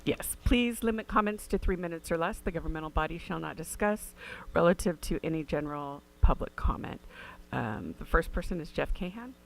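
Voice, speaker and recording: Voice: mid-range voice, expressive, fairly quick, creaky, hardly any pauses, slight background noise, poor audio. A city clerk formally reading public comment rules at a council meeting. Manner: formal, procedural.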